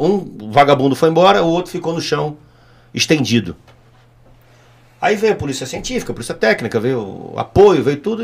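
A middle-aged man, a former police officer and politician, telling stories bluntly and emphatically as an interview guest. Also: fairly high pitch. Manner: emphatic, repetitive, blunt, storytelling. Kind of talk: casual interview storytelling.

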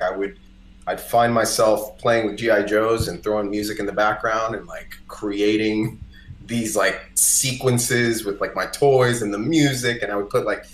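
Low-voiced Costa Rican-born man, roomy sound. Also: a little hiss or hum. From Costa Rica. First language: Spanish. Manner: conversational, peppered with "like" and "you know". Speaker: podcast guest, singer-songwriter. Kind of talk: casual chat, personal storytelling. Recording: roomy, echoey indoor sound.

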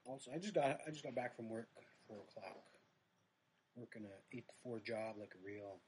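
A middle-aged man from the Red Lake reservation in the United States, with a Native American reservation accent, chats casually on a livestream as a comedian and host. His voice is fairly low, a little mellow, and moves at a moderate pace, rambling in a self-deprecating way that trails off. The low-quality recording carries slight background noise.

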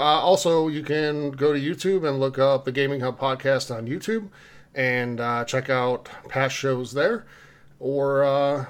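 A man hosting a podcast in a casual, conversational way, speaking informally to co-hosts and listeners. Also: medium pitch. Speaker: podcast host. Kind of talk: casual podcast talk with community announcements.

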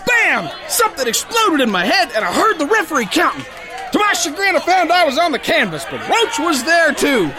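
A man's voice: very high-pitched, wildly swooping pitch, moderate pace, shouting, music in the background, a crowd in the background, heavily acted. An actor playing a brash, hot-headed, dim-witted sailor boxer, telling his tale in boisterous, folksy tough-guy talk in a pulp audio drama. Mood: excited, forceful. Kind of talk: theatrical first-person pulp story narration.

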